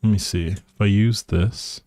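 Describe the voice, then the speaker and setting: A man's voice: fairly low pitch, fairly even intonation, unhurried, warm tone, dry recording. A man livestreaming a game with casual, playful, teasing chat to his viewers.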